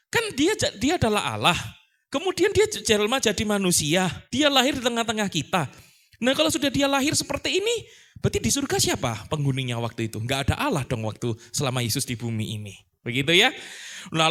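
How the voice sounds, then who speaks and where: A man pastor preaching a sermon, asking rhetorical questions and acting out voices as he explains. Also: sits high. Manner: animated, rhetorical questions, acts out quoted voices.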